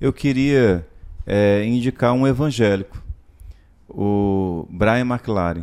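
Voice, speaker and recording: A man speaks at a very slow pace with long, frequent pauses. His pitch is fairly low, with ordinary variation and very even loudness. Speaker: podcast co-host. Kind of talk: reflective discussion. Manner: halting.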